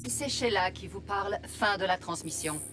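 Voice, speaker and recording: A composed cartoon computer assistant voiced by a woman, medium in pitch. She announces information formally and in measured phrases. Loud music plays underneath. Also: close to an everyday voice. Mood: official. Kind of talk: French cartoon dub.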